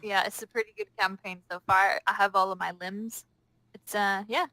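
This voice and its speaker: A woman's voice: medium pitch, steady tone, moderate pace, bright, forceful tone, no room sound, poor audio. A woman playing in a roleplay game, chatting casually with the group. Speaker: roleplay player.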